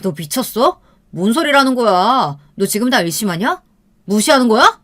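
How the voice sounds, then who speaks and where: 여자가 연기하는 다혈질 젊은 남자친구. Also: female voice, fairly low pitch, expressive, a little slow. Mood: angry shouting. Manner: snapping, hostile, then suddenly soft. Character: volatile scheming young man, the boyfriend.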